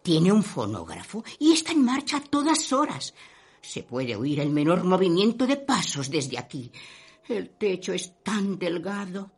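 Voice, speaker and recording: Very husky, low-voiced gossipy shopkeeper. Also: female voice, sing-song, unhurried, exaggerated voice. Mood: mildly complaining. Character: gossipy, sympathetic woman shopkeeper taking tea with a friend. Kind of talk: Spanish radio play acting.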